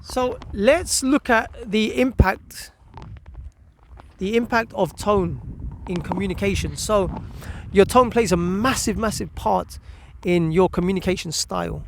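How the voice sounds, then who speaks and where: There's a little hiss or hum behind this parenting coach's video talk. The man's high-pitched voice is a bit slow and carries vocal fry as he instructs directly, stressing key words by repetition and leaning on rhetorical questions.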